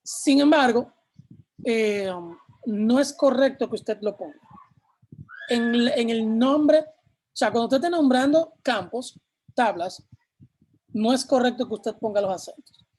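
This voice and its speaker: A man's voice: very high voice, a little slow, pauses often, a little mellow. A man teaching a programming class, explaining step by step and answering his own questions as he goes. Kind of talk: live class explaining code on screen.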